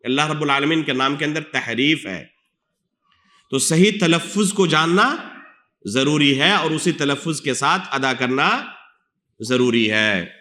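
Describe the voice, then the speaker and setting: A man's voice: a little high, sharp tone. A man with an Indian Urdu accent giving a religious lecture in a mosque, teaching patiently and putting questions to his listeners before answering them himself. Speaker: Islamic scholar. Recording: echoey mosque hall.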